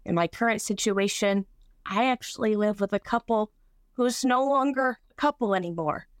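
A woman's voice: medium pitch, moderate pace, no echo, clean studio sound. A woman in her twenties, a renter, speaking in a plain, composed way. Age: 20s. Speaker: interviewed renter. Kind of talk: interview testimony.

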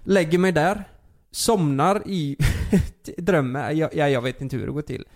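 A young man telling a personal story in a casual chat, rambling with lots of fillers and restarts. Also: on the high side.

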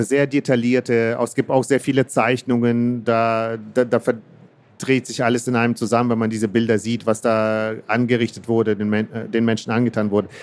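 A man from Kazakhstan speaks as an interviewed author, mid-pitched and measured. He weighs his words, pausing on fillers and restarting sentences as he thinks. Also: a little mellow. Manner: thoughtful, hesitant, many fillers and restarts. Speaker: author guest. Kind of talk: interview answers.

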